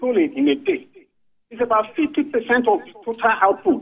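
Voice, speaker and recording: This man's voice has an extremely high pitch. He talks at a moderate pace. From Nigeria. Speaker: caller. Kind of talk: call-in opinion. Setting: phone call. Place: office. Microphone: video call.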